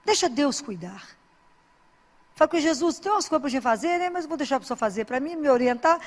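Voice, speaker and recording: In a room with a long reverb tail, a woman who is both a Christian speaker and a doctor talks fast in a high, animated voice. She gives an informal, anecdote-filled sermon, earnest and exhorting yet conversational.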